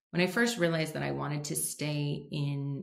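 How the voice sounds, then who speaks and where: With an American accent, a woman speaks at a moderate pace in a very deep, low pitch. Noticeable background noise and audible room echo surround her. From US, New York City. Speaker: facilitator. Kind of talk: podcast interview. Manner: animated.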